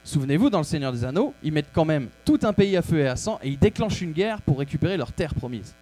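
High-voiced man doing crude comic monologue. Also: sing-song, fast talker, warm tone. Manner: crude, rambling, mock-serious. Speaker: comedy host.

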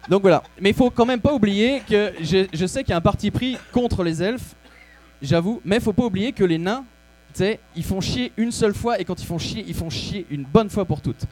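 A man's voice: sits high, lively intonation, normal speed, a little mellow, faint music behind. A man hosting a comedy show, delivering a crude, rambling, mock-serious monologue. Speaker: comedy host. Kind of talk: comic monologue.

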